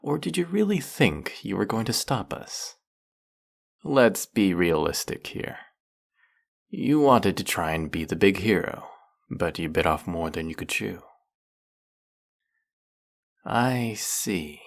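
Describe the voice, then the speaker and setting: An actor playing a suave snake-headed male villain who teases his captive in an audio roleplay, with a slow, mocking, silky manner. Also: sits low, sing-song, gravelly, heavily acted.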